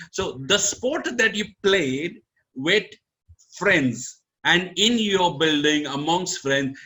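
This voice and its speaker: A man teaching a live online public speaking lesson, animated and coaxing, swinging his pitch up and down for emphasis as he talks straight to his audience.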